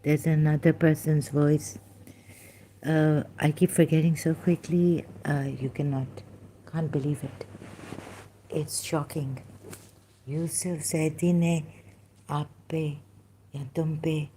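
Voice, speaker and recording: Her tone stays level as this Khoja Sindhi–speaking vlogger talks softly and haltingly, low and slow, letting her thoughts drift. She's resting at home for this personal monologue, and a little hiss or hum sits in the recording.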